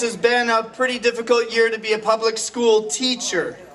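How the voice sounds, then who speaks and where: A man with an extremely high pitch speaks at a moderate pace in a monotone, flat intonation, with noticeable background noise behind him. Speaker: teacher and union leader. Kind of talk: rally speech. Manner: loud, rousing.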